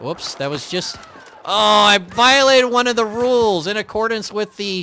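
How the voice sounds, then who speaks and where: With an American accent, a man talks in a raised, projected voice at a high pitch for a man, using ordinary pitch variation, a moderate pace and an animated tone over noticeable background noise. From US Midwest. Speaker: gaming streamer doing mock news commentary. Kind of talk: live commentary.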